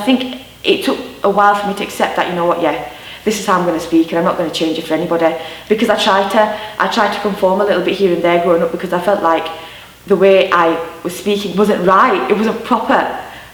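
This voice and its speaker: Speaking at a very fast pace, a woman keeps a medium pitch with ordinary pitch variation, amid noticeable background noise and audible room echo. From Yorkshire, England. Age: 20s. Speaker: interviewee on heritage and dialect. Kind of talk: interview testimony.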